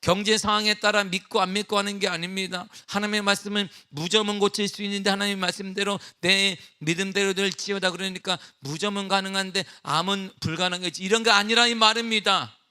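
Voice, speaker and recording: A middle-aged man preaching a sermon as pastor, emphatic with call-and-response questions, then easing into a relaxed personal story. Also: sits high, clear, resonant tone. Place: church sanctuary.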